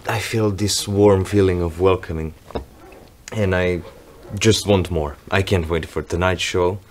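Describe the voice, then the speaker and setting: A young man with a Croatian accent speaks in a very low, deep voice, thanking fans in a grateful, halting way while searching for words. He sits in a backstage room, with a faint hiss in the background. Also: fairly even intonation. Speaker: touring bass player. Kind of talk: casual video greeting to fans.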